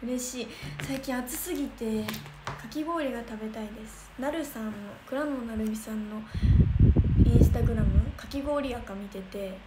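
A bubbly young woman from Kansai chats to her viewers, her voice sitting a little high. She rambles with lots of fillers and reads out comments. The room sounds echoey, with a clear hiss of noise behind her. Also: a little slow. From Kansai region of Japan. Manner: chatty, bubbly, thinks aloud with many fillers. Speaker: idol livestreamer. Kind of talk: casual livestream chat reading comments.

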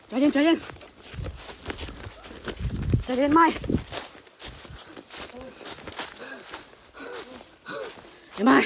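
A man in a forest, panicked and out of breath, shouting and swearing in alarm. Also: extremely high pitch, background noise. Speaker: ghost-hunting vlogger. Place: outdoors in a dense rainforest.

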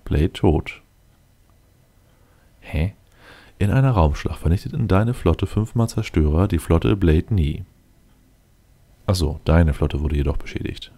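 Deep-voiced and dark in tone, a man offers casual commentary on his game, thinking aloud and muttering to himself. He addresses his game units directly, speaking unhurriedly with long pauses.

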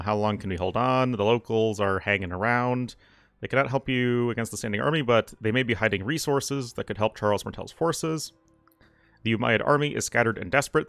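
Relaxed man reading game briefings. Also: medium pitch, dry recording. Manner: reads mission text aloud, relaxed and chatty. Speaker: gaming channel host. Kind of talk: let's play commentary.

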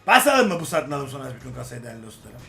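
A young man giving casual, joking commentary while playing slot games, swinging from grumbling to excited hype. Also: medium pitch, rapid-fire, creaky. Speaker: slot game streamer. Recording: faint music behind voice. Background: faint game music.

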